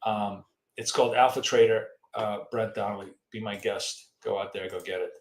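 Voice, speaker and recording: A man hosting a long live trading stream, rambling casually through market commentary and viewer questions, his voice going hoarse. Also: fairly low pitch, steady tone, normal speed, echoey room.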